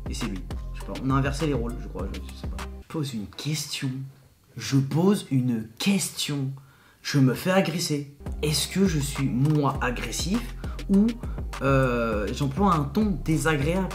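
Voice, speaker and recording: A man's voice: mid-range voice, lively intonation, unhurried, over music. A man giving casual, slangy commentary in an incredulous, emphatic way, often repeating himself. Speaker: YouTuber commenting on his recorded call.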